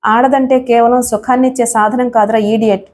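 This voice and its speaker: A woman's voice: a little high, level tone, moderate pace, a little mellow, close to an everyday voice. Woman reading a firm, scolding young hero, audio story. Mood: stern. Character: brave young male hero, righteous and stern.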